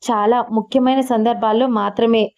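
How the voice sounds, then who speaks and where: A woman's voice: on the high side, steady tone, a little fast, a little mellow, natural voice. A woman reading the lines of a playful young groom in a love story, in a light, teasing way.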